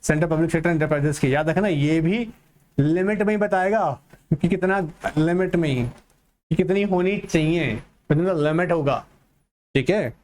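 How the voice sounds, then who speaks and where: A man teaching an exam-prep lecture online, mixing Hindi with English terms and slowing down to read English text aloud. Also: a little high, darkish tone. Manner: asks and answers his own questions, slows to read English text aloud. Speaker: online tutor.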